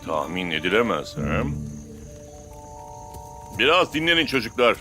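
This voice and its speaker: A man voicing a calm, commanding adult football coach in a cartoon dub. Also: lowish voice, a little slow, over music. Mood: steady. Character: dry, steady adult male football coach.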